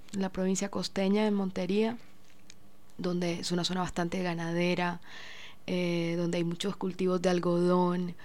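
A woman's voice: fairly low pitch, a little mellow. A woman from Colombia with an accent mixing inland and Caribbean coastal speech, chatting casually as a guest on a radio show. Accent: Colombian, mix of inland and Caribbean coast.

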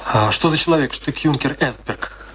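A man's voice: medium pitch, moderate pace, a bit bright, slight background noise, natural voice, rough recording. An actor as an earnest, troubled middle-aged man. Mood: questioning. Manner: earnest, questioning, reflective. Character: troubled, compassionate middle-aged confidant, searching and perplexed. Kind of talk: theatrical radio play dialogue.

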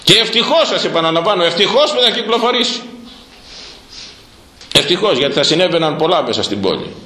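A middle-aged priest delivering a sermon, dramatic and repetitive, his pitch swinging from high to low. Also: big pitch swings, bright, forceful tone, reverberant, a little hiss or hum, low-quality recording. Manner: dramatic, repeating words for emphasis, swinging pitch. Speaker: Orthodox priest.

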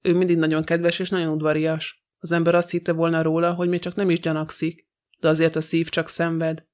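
A man's voice: a little high, monotone, a little mellow, lightly acted. A man reading an audiobook, voicing a sly, gossipy old female housekeeper who talks with scorn. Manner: grumbling, scornful.

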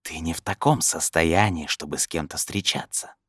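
A man performs a sinister voice in the head for an audiobook. It is hushed and whispery, low in pitch, ironic and admonishing. It presses its warnings in a dry, close sound. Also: moderate pace, husky, no room sound, full character voice. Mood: quietly insistent. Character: sinister disembodied inner voice, coldly insistent and mocking.

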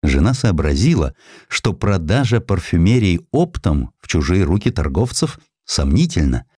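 A man narrating a historical sketch for a radio production, with an expressive, varied storytelling delivery on a close studio mic. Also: low voice, normal speed, husky, no room sound.

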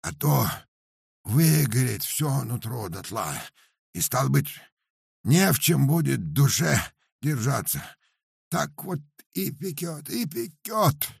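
A pious, self-pitying peasant man, wailing his grievances in a strained, drawn-out, much higher voice than the reader's own. The tone stays gravelly and husky. The audiobook recording is close and dry. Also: big pitch swings, dry recording, heavily acted. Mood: pleading. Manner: loud wailing complaint, drawn-out words.

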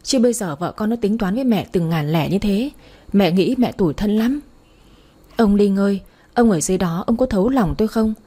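Woman narrator doing a sharp-tongued old mother-in-law, storybook read, mellow husky tone, wailing complaints. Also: mid-range voice, lively intonation, a little fast. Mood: whining self-pity. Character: scolding, dramatic elderly mother-in-law.

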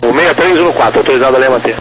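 A man's voice: mid-range voice, very fast, slightly rough. A man with a Brazilian accent working as a tower controller, giving terse, slightly informal instructions over crackly radio. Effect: crackly radio transmission. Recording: noisy crackly airband radio.

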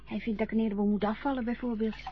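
A woman's voice: on the high side, fairly even intonation, racing, a little hiss or hum, close to an everyday voice. An actress in a radio play voicing a young woman who lip-syncs and dreams of stardom, talking eagerly and hesitating with many fillers. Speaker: lip-sync performer. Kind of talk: Dutch radio play acting. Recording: dull lo-fi radio play recording.

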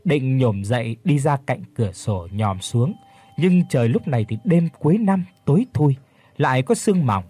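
A man reading a horror story aloud as scripted narration, in an expressive, dramatic storytelling manner. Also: medium pitch, normal speed, husky, no echo.

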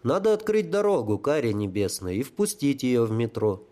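A man voicing a cunning dead sapper who speaks smoothly and with authority. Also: mid-range voice, big pitch swings, moderate pace, dark tone, close to an everyday voice. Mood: commanding.

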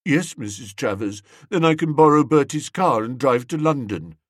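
A jittery young man who stammers and keeps apologizing, his voice jumping about in pitch, as a male reader puts him on. he sounds eager to please. the recording is close and dry. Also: lively intonation, moderate pace, dry recording, lightly acted. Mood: apologetic.

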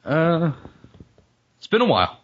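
Hoarse joking man with a lo-fi sound. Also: on the high side, wildly swooping pitch, unhurried. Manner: joking, rambling, laughs often. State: hoarse, voice cutting out after flu. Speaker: podcast co-host. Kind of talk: casual comedic chat.

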